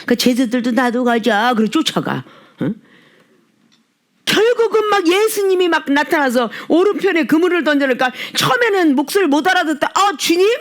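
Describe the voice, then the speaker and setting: A woman's voice: sits high, very animated, fairly quick. A woman pastor preaching a sermon with emphasis, firing rhetorical questions at the congregation and moving between scolding and pleading.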